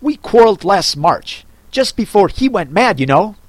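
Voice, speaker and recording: A man voicing a fussy, contrary hatter who grumbles and talks down to others in quick bursts. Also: high voice, big pitch swings, no room sound, pitched above the performer's own voice. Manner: grumbling, contemptuous, quick talker.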